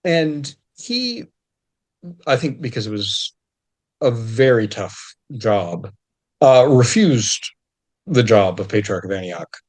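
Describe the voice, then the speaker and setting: A man's voice: mid-range voice, very animated, takes it slowly, long pauses, a little mellow. A man speaking as a historian guest, explaining in detail in a conversational, scholarly way and often restarting his phrases.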